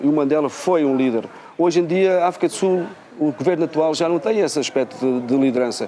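Over noticeable background noise, a man talks at a very fast pace with a fairly high pitch and ordinary pitch variation. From South Africa (Portuguese-born, from Mozambique). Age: 50s. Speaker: football coach. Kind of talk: interview.

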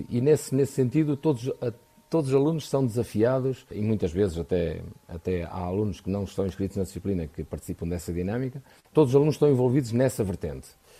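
A man talks at a very fast pace in a European Portuguese accent. His pitch swings very widely. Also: medium pitch for a man. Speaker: religion teacher. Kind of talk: radio interview. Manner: halting.

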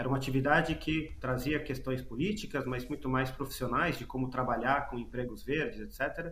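A man talks at a moderate pace, with hardly any pauses. His voice sits at a medium pitch with fairly even intonation, and room echo is audible. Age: young. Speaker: climate activist. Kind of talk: panel discussion.

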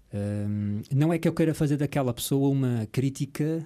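A man's fairly high, dark and mellow voice with lively intonation at a fairly slow pace, in a very clean recording with a silent background. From Lisbon, Portugal. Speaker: writer and teacher. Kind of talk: radio interview.

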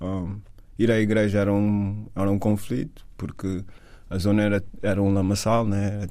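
Against audible room echo, a man speaks at a moderate pace in a fairly low pitch, his dark, mellow tone delivered with monotone, flat intonation. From Portugal, Lisbon area (Cova da Moura). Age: 40s. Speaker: activist and cultural organizer. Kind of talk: casual chat.

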